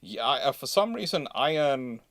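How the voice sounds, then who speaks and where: A man hosting a casual live question-and-answer stream, speaking haltingly, often repeating phrases and interrupting himself. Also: medium pitch, sing-song, fairly bright tone, no echo, studio quality. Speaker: livestream host.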